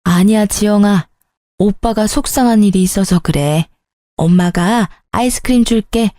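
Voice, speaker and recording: Middle-aged woman, storyteller, first-person narration, gentle motherly manner, mellow tone, dry close sound. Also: mid-range voice, normal speed, dry recording.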